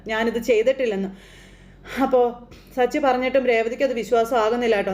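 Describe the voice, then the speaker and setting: A woman from Kerala, India, recaps a TV serial episode in an animated, chatty way. Her voice sits high, and she talks very fast, tossing in casual asides as she goes. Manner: animated, chatty, tag questions. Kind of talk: casual plot retelling.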